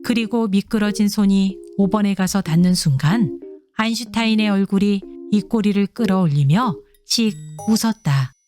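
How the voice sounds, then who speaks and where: A woman's voice: mid-range voice, normal speed. A woman narrating a scripted children's story, reading aloud expressively as if to young children. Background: soft instrumental music.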